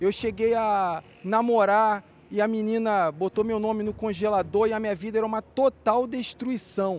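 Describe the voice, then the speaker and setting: A man talks at a high pitch with fairly even intonation. The pace is fairly slow. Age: 40s. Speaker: air force officer giving church testimony. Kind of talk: testimony.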